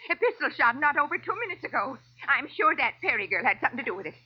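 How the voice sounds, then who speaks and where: An actress playing an anxious, excitable older cleaning woman, folksy, in 1940s radio style. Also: high-pitched, rapid-fire, husky, full character voice. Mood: agitated. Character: agitated, excitable older scrubwoman. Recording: muffled old radio recording.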